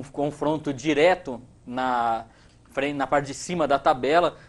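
A man in his thirties from Brazil, a TV news anchor reading sports results in a relaxed, chatty way in a studio. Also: medium pitch. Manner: relaxed, conversational, many fillers.

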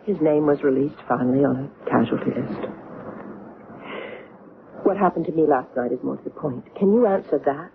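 A poised young mother in an old radio drama, frank and dry but troubled. Her voice is mid-low for a woman. The sound is muffled, with some hiss. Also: normal speed, pauses often. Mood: wry, direct.

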